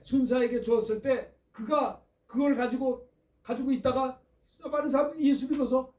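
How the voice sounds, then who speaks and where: A man's voice: extremely high pitch, darkish tone, reverberant, recorded from a distance. A male pastor from Seoul preaching a Sunday sermon, asking the congregation questions as he goes. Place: church sanctuary.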